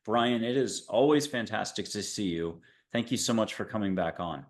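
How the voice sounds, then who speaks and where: A male host of an interview show, introducing a guest and asking questions on a video call in a chatty, upbeat way, with quick asides. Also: fairly low pitch. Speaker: podcast host. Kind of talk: casual interview hosting.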